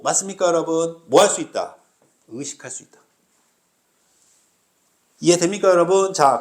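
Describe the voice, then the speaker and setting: Lively high-voiced male lecturer. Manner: drills students with constant rhetorical questions. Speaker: Korean language teacher. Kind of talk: recorded exam-prep lecture.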